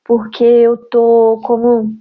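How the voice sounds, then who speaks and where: A woman's voice: fairly high pitch, completely flat delivery, takes it slowly, narrow, tinny audio. A woman with a nasal, stuffed-up voice from a cold, reflecting aloud on her spiritual practice in a musing way and adding tag questions to her sentences. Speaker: spiritual vlogger. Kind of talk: reflective personal talk.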